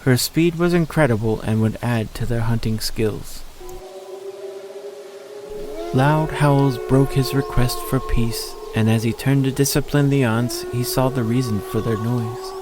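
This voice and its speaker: A man's voice: medium pitch, normal speed, hardly any pauses, background noise. A man narrating a scripted story in an audio drama.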